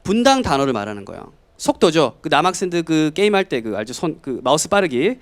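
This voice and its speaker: A man in his thirties from South Korea giving a lively lecture to students, often acting out quoted voices. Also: on the high side, quick pace. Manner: animated, acts out students and family in quoted voices. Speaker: English lecturer.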